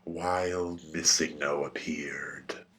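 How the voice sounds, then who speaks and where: A man voicing an ominous, impersonal game announcer in a horror audio drama, with slow, deliberate delivery. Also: very deep voice, steady tone, noisy background, exaggerated voice. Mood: cold, ominous.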